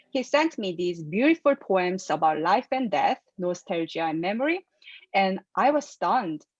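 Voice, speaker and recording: A Korean filmmaker, interviewed as a guest, answers with careful earnestness, her first language coloring her English and soft laughs slipping in between points. Her voice sits at medium pitch. The video-call sound is dull and lo-fi, completely dry with no echo.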